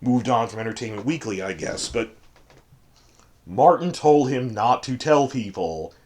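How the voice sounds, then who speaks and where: A man with a hoarse voice from a cold delivers a long, digressive monologue as a fandom commentator. His pitch sits in the middle of the usual range, and he talks with an emphatic, scornful edge. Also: expressive, a little slow, a little mellow. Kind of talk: ranting commentary.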